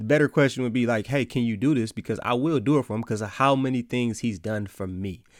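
The recording is very clean, with a silent background. A man of medium pitch talks at a very fast pace with ordinary pitch variation. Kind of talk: casual devotional talk. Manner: animated.

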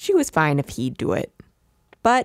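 A woman talks at a moderate pace in a plain, everyday voice, fairly low in pitch. The recording is very clean with a silent background and a dry, close sound with no echo. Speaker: podcast host and reporter. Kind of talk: narrated radio storytelling with interviews.

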